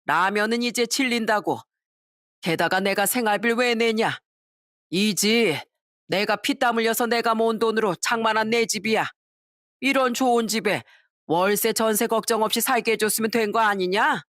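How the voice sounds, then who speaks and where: A woman's voice: fairly high pitch, moderate pace, fairly bright tone, no echo, studio quality, pitched above the performer's own voice, close to an everyday voice. Woman voicing a bullying old father-in-law. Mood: contemptuous. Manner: scolding, contemptuous.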